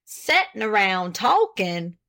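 A woman's voice: mid-range voice, sing-song, a little slow, fairly bright tone. A woman voicing a pompous, self-important old farmer husband with an indignant, boastful rural drawl.

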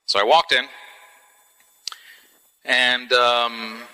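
A man from Palestine hosting a live event, telling a stand-up story in an animated, wry, punchy way. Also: very slow, smooth. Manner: animated, wry, punchy delivery with swings in pitch. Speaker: comedian and event host. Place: large church hall. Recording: live hall with long reverb.

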